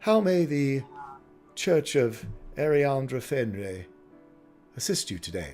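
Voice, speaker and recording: Over music in the background, a man does a resonant, put-on character voice at a medium pitch, moving at a fairly slow pace with long, frequent pauses. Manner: clear, formal, welcoming.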